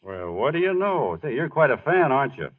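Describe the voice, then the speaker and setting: A man's voice: mid-range voice, very animated, a little fast. A man playing a modest, earnest, bashful baseball star in a 1940s radio drama, speaking plainly. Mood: gentle, encouraging. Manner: plain-spoken, hesitant, understated. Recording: muffled old radio broadcast.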